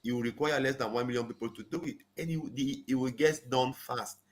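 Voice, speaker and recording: A man as guest in a conversational interview, earnest, often saying "you know", rising in pitch when he stresses a point. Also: fairly quick.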